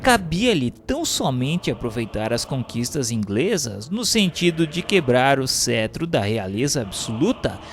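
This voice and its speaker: A man's voice: mid-range voice, sing-song, a little slow, few pauses, slight background noise. A man with a Brazilian accent narrating scripted radio history in a grave, formal, dramatically declaimed style.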